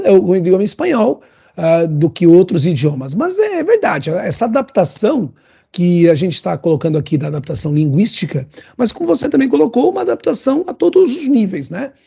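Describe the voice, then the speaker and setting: A man from northern Portugal with a European Portuguese accent that leans Brazilian, chatting as a guest with lively asides and many fillers. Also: high-pitched, gravelly, husky. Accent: European Portuguese, adapted toward Brazilian. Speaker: guest, LinkedIn consultant. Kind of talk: casual interview chat.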